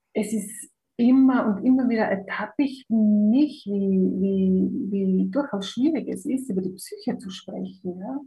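Speaking very slowly with hardly any pauses, a woman uses a fairly high, somewhat breathy voice with ordinary pitch variation. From Czech Republic. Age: 40s. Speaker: psychotherapist. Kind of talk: interview.

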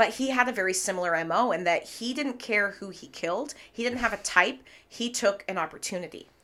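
A woman with a West Coast accent, medium pitch, a bright, sharp tone, ordinary pitch variation, big swings in loudness, and a fairly quick pace, in a very clean recording with a silent background. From US Pacific Northwest, Redmond near Seattle. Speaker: actor, paranormal podcaster and ghost tour guide. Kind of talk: casual interview chat.

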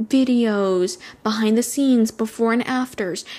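A woman with an American accent speaks at a very slow pace in a fairly high voice with ordinary pitch variation, on a very clean recording with a silent background. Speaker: esthetician and podcast host. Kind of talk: casual solo chat.

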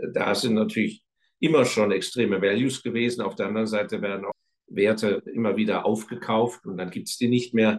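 A man with an unremarkable speaking voice, medium pitch, and fairly even intonation. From Germany. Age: 60s. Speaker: value investor. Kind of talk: interview.

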